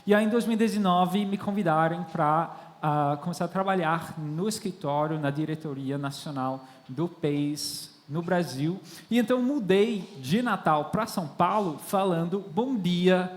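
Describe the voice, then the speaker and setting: With hardly any pauses and a somewhat slow delivery, a young man with a high voice preaches a story-rich sermon to a congregation. He is a missionary guest preacher, raised in France by Irish parents and non-native in Portuguese, recorded in a large, echoey church hall with long reverb.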